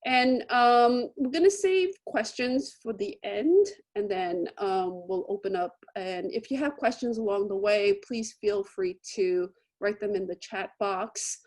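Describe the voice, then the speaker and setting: Slow, halting woman moderator. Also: mid-range voice, darkish tone. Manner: slow, halting, searching for words. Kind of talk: online panel introduction. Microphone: computer mic on a video call.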